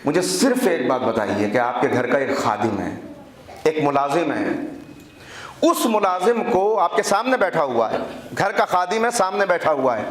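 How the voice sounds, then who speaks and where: Man preaching in an echoey hall. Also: big pitch swings. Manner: rhetorical questions, swings between loud high emphasis and low hush. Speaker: religious speaker. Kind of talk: sermon. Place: prayer hall at a lectern. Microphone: microphone on the lectern. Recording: roomy hall with faint ambience.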